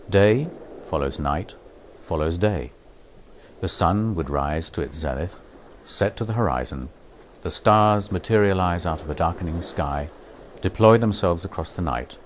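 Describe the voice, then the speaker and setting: A man's voice: low voice, lively intonation, normal speed, a little hiss or hum. A man reading polished scripted narration for documentary and promotional films. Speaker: voice-over artist.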